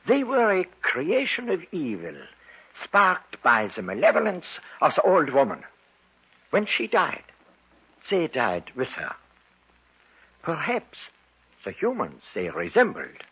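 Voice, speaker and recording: A man's voice: on the high side, wildly swooping pitch, slow, long pauses, pushed and bright, husky, full character voice. An actor playing a grave, commanding older man who hunts evil, in dramatic 1950s radio style. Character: elderly male occult investigator, grave and commanding. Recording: dull old radio broadcast with music.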